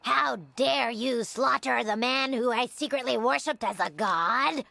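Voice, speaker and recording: A woman's voice: a little high, measured pace, creaky, bright, forceful tone, dry recording, heavily acted. A woman voicing a cartoon character who recites a silly home play in a hammy, melodramatic way. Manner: hammy, melodramatic line reading. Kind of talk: cartoon voice acting.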